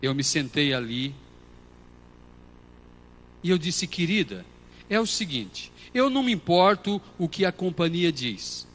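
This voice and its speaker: A Brazilian man preaching a sermon as pastor, moving between quiet storytelling and loud shouted passages. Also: fairly high pitch, very animated, unhurried, long pauses. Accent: Brazilian Portuguese. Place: church hall.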